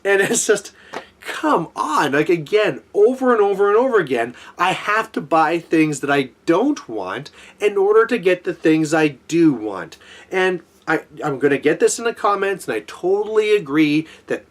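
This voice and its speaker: A man's voice: high-pitched, big pitch swings, normal speed. A man giving a casual, rambling opinion rant to viewers as a hobby gaming vlogger, complaining in an exasperated, conversational way.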